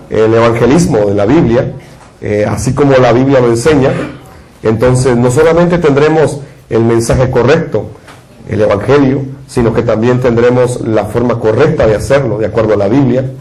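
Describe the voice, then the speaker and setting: A man's voice: medium pitch, dark tone, rough recording. A man from Guatemala, a preacher giving a sermon and leading a prayer with a repetitive, fervent cadence.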